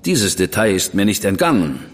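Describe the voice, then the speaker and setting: A curt, impatient government official. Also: male voice, fairly low pitch, very animated, moderate pace, big-room sound. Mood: stern. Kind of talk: German radio drama acting.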